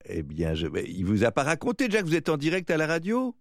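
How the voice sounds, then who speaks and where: A man's voice: a little high, huge pitch swings, fast, no room sound, studio quality. A man hosting radio in a playful, unscripted interview style, musing in a whimsical, teasing, mock-poetic way. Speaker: radio host.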